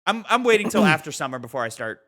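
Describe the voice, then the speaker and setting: A man's voice: fairly high pitch, very animated, fast, sharp tone. A man bantering casually as a co-host on a podcast, talking informally with friends. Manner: sweary.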